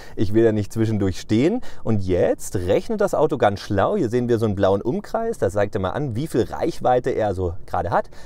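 This man talks at a moderate pace with hardly any pauses. The sound is dry, with no echo. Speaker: car video creator. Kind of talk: tutorial. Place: car. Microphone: phone near.

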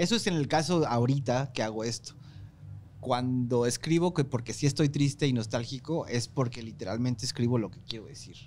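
Speaking at a fairly quick pace, a somewhat breathy man shows big swings in loudness over light background noise. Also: ordinary pitch variation. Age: 30s. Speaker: musician; guest. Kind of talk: casual chat; interview answer. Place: studio. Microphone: studio mic.

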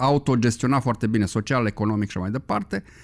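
A man talks over a quiet background. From Moldova. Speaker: writer; interview guest. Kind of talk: casual interview. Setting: studio. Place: studio. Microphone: studio mic.

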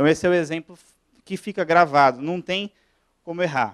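Nothing much can be heard behind him. The man talks fairly quickly. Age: 30s. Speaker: lawyer giving a lecture. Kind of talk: lecture. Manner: conversational, animated. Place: meeting room. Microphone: handheld.

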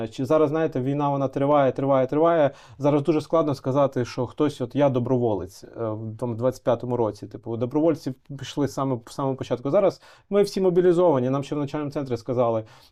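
Against a quiet background, a man speaks fairly quickly in a plain, everyday voice, fairly high in pitch with ordinary pitch variation. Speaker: military officer, former journalist. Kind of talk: studio interview. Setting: TV studio.

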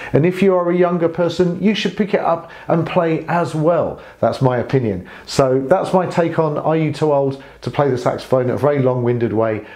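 A man at a fairly quick pace with lively intonation, against a quiet background. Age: 50s. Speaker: saxophone teacher. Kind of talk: tutorial. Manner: casual and chatty. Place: home room.

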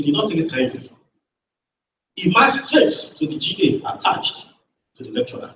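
With long, frequent pauses and big swings in loudness, a man in a Nigerian accent speaks at a moderate pace amid light background noise and audible room echo. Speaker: engineering professor. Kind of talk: lecture. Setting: stage with audience. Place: hall.

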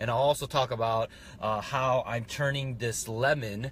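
A somewhat breathy man's voice with fairly even intonation, a dry sound with no echo and light background noise. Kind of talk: casual vlog chat. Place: car.

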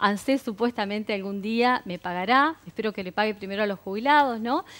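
Her fairly high voice moves at a fairly quick pace, and the woman's pitch varies in an ordinary way. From Argentina. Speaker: lawyer advising on pensions. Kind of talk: radio advice segment. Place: studio. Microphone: lapel.

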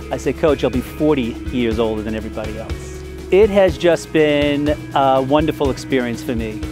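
With clear music in the background, a man talks in an American accent at a fairly slow pace. His pitch variation is ordinary, and the sound is dry with no echo. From Long Island, New York. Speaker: semi-pro football player, sports promoter. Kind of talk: interview answer. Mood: proud, slightly emotional. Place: stadium.

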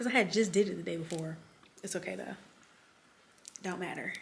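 Light background noise sits behind a woman with a Southern US accent. Her pitch varies in an ordinary way. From Alabama, US South. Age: 20s. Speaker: lifestyle vlogger. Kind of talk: casual vlog talk to camera. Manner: upbeat, chatty. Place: home room. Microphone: phone near.

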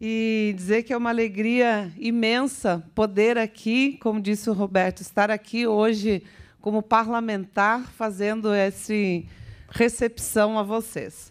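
A woman talks at a fairly high pitch with monotone, flat intonation. The background is quiet. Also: fairly slow pace. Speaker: state legislator. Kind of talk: political speech. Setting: assembly hall with audience. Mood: warm, engaged. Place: meeting room. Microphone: podium.

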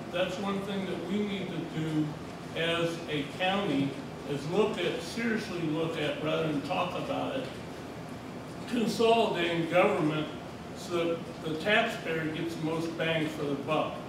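Amid noticeable background noise and strong room echo, a man talks at a fairly slow pace. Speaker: county commission candidate. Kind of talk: candidate forum answers. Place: hall.

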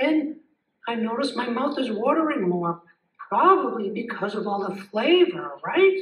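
At a fairly slow pace, a cartoonish character voice delivers its lines. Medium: puppet show. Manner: chatty, eager, impatient.

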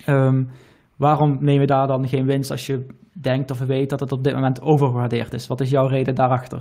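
Against a quiet background, a man speaks at a moderate pace. His tone is dark and mellow, his intonation monotone and flat. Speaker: finance YouTuber host. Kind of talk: interview about investment portfolio. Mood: relaxed, curious. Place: home room. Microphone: studio mic.

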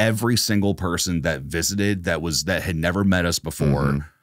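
Very deep, low male voice at a fairly quick pace, dry with no echo, against a quiet background. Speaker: podcast co-host. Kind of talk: casual podcast chat. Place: studio. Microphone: studio mic.

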